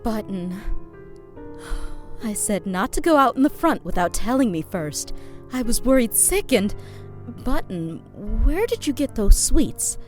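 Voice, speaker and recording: A woman playing a worried, frustrated mother pony in an amateur audio drama, with expressive delivery. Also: on the high side, a little slow, soft background music. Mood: worried, scolding.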